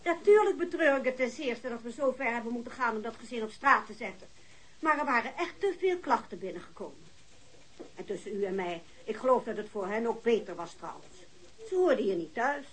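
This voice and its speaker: Haughty landlord's manager, radio drama, slightly high voice, prim, condescending, self-righteous. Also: female voice, lively intonation, fairly quick, husky, poor audio.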